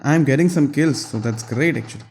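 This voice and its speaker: Creaky man commenting on gameplay. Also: mid-range voice, brisk, a little mellow. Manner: chatty, self-deprecating asides to viewers. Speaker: tech reviewer.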